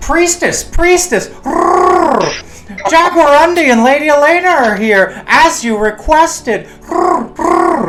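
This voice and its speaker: In a put-on character voice, the speaker talks fairly slowly at a high pitch over clear background noise. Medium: actual play. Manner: growling "rrrr" sounds between words.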